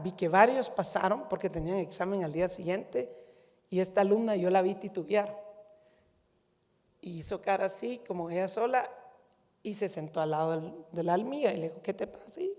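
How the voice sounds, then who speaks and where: A woman's voice: fairly low pitch, darkish tone, long reverb tail. A middle-aged woman with a Guatemalan Spanish accent, a physician giving a conference talk to medical students in a conversational storytelling manner, often using rhetorical questions.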